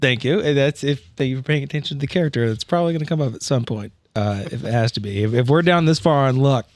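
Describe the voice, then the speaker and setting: A man's voice: mid-range voice, quick pace, no echo. Casual, joking man, close dry sound. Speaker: tabletop game podcast player. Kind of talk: casual chat.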